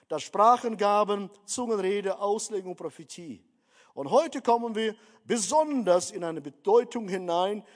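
A man preaching a sermon, emphatic, repeatedly calling his listeners dear friends. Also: sits high. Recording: long hall reverb.

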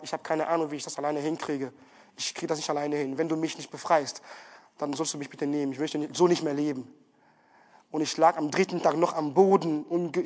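A man giving an earnest, pleading sermon testimony in a church hall, often restarting his words. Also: on the high side.

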